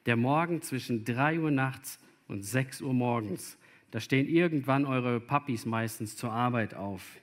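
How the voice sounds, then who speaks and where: A man preaching with a deliberate, unhurried delivery. He speaks earnestly and turns straight to his young listeners. His voice sits at an ordinary middle pitch. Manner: earnest, addresses listeners directly. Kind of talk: sermon to children or youth.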